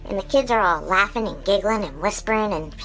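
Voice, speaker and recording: A woman voicing an excitable, childlike male creature who hosts a chatty episode recap, bubbly and full of giggles and squeals. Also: medium pitch, a little fast, faint music behind, lightly acted, rough recording. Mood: excited recap. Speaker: recap host.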